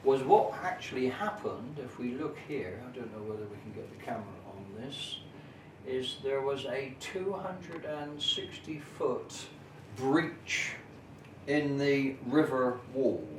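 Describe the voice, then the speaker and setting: Speaking at a medium pitch with lively intonation, this middle-aged or older local history presenter gives a detailed, informal explanation in formal, measured language, pausing hesitantly at times. The sound comes from a far-off camera mic in a noisy room full of echo.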